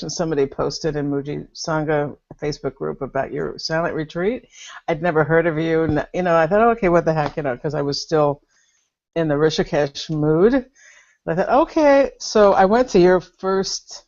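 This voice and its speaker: A woman at a spiritual gathering candidly shares her experience over a video call, often laughing and sighing as she tells her story. Her voice sits low and sounds a little mellow. The remote video call audio is dull and lo-fi.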